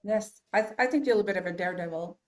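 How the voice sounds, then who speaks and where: A woman's voice: mid-range voice, racing. A woman hosting an interview, prompting her guest with brief questions. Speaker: interviewer host. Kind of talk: interview conversation.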